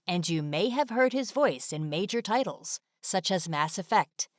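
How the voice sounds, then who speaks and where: A woman delivers scripted video narration in a fairly low voice. The sound is dry, like a studio voice-over, with no room echo. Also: lively intonation, measured pace.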